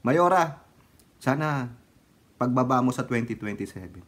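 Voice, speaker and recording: A man's voice: medium pitch, animated, measured pace, a bit bright. A man with a Filipino accent giving sarcastic, casual commentary in a vlog, laughing often and breaking into bits of song. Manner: laughs often, sings snatches of songs. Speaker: political commentary vlogger.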